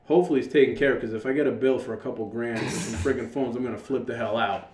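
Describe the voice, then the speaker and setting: An American man with a loud, carrying voice co-hosting a podcast, telling stories casually, swearing freely and acting out what people said. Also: mid-range voice, very fast. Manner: animated, profane, acts out reported dialogue. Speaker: podcast co-host. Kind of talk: casual storytelling banter. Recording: echoey room.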